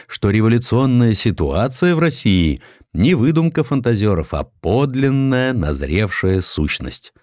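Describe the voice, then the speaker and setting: A man narrating a literary historical story as an audiobook, in a measured, theatrical storytelling manner. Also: fairly low pitch, darkish tone, no room sound, studio quality. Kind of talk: expressive scripted literary narration.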